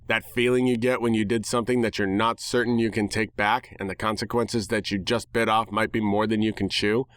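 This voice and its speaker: Guy reading a story out loud, sardonic, expressive, really dry close recording. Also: on the low side, fairly quick, clean tone, dry recording. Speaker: fan fiction narrator. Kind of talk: dramatic first-person story narration.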